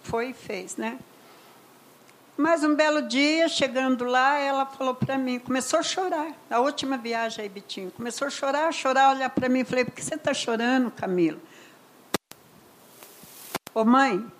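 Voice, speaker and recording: An older woman with a Brazilian accent, telling a personal story as a mother in an emotional, conversational way, often trailing off softly. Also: high voice, normal speed, a little hiss or hum, rough recording. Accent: Brazilian Portuguese. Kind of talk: personal testimony.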